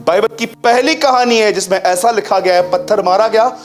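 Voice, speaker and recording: A man preaching a sermon as pastor. He keeps asking the congregation rhetorical questions, mixes English phrases into his speech and swings between a raised voice and a low one. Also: normal speed, soft background music.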